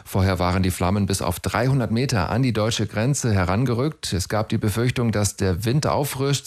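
A man reporting as a news correspondent, calm and factual. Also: on the low side.

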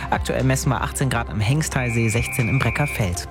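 A man's voice: mid-range voice, brisk. A man hosting a morning radio show, reading weather and traffic and chatting to listeners in an upbeat way. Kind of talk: casual radio presenting. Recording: music bed under the voice.

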